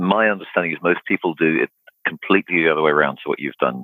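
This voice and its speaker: A man with a British accent. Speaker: podcast host. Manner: conversational, thinks aloud.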